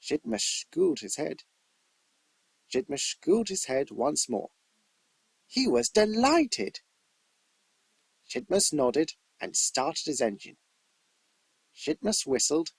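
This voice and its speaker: An amateur male narrator reads a scripted story in a fairly high voice with a husky edge. His delivery is theatrical and emphatic, swinging widely in pitch from phrase to phrase. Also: big pitch swings, slow, pauses often, no echo.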